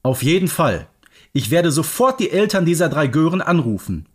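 A man's voice: fairly high pitch, very animated, moderate pace, husky. A man voicing an indignant, protective father in a children's story reading.

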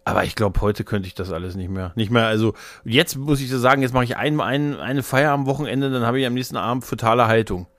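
A man's voice: mid-range voice, fairly even intonation, fast, few pauses, dry recording. A man in a casual, joking, colloquial podcast chat, telling anecdotes. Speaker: podcast host.

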